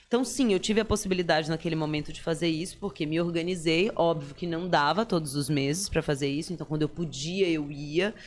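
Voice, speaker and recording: Music plays in the background as a woman speaks in a fairly low voice. Her tone is animated. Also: ordinary pitch variation, fairly quick pace, hardly any pauses. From Brazil, São Luís, Maranhão. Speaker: actress. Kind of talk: casual chat. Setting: studio.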